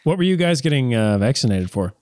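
A man's voice: medium pitch, big pitch swings, quick pace, a little mellow, no echo, clean studio sound. A man in his late twenties making playful, joking interjections in casual banter. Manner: playful, riffing.

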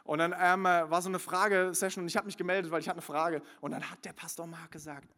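A young man preaching a sermon, sliding from soft confiding asides into loud emphatic calls, with many fillers and restarts. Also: on the high side, little pitch movement, fast talker. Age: young adult. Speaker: pastor.

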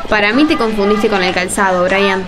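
A woman's voice: medium pitch, normal speed, over a noisy crowd, natural voice. Woman acting a sassy Argentine pilgrim over music. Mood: teasing. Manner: teasing, colloquial, wry. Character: sassy, stubborn young female pilgrim, tired but proud. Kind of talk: radio play acting.

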